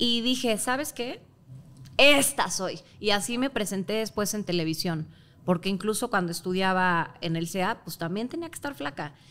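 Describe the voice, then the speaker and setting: A woman with a Mexican accent speaks at a moderate pace with an animated tone and lively intonation. Her loudness swings widely. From Mexico. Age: 30s. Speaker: body-positivity influencer. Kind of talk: casual chat. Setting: live audience at a hotel. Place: studio. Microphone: studio mic.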